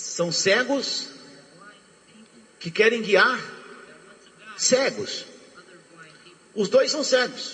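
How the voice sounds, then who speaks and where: A man speaks with an extremely high pitch at a very slow pace, pausing long and often. Noticeable background noise and audible room echo surround him. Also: ordinary pitch variation. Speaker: pastor. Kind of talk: sermon. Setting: church service with interpreters.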